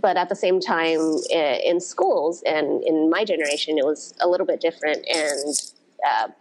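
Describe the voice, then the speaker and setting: A woman with a low voice speaks as a podcast guest. She talks in a reflective, storytelling way, circling back with asides as she recalls her past. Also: moderate pace, poor audio. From United States. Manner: reflective, storytelling, frequent "you know". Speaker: podcast guest, blues dance organizer. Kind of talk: conversational interview.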